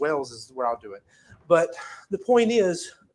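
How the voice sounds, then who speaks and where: A man's ordinary speaking voice, fairly quick in pace, with lively intonation. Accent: American. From United States. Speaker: pastor. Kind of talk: sermon.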